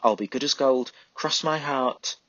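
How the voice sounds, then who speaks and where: A man's voice: medium pitch, measured pace, a bit bright, dry recording, voice pushed up. A man voicing a cheerful, teasing young soldier who is the narrator's big brother, in a storybook reading. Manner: chirpy, teasing. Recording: dull lo-fi recording.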